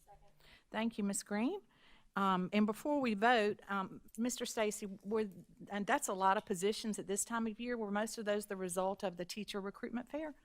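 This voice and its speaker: A woman chairing a school board meeting, brisk and procedural, reading motions and calling votes. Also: mid-range voice, dry recording.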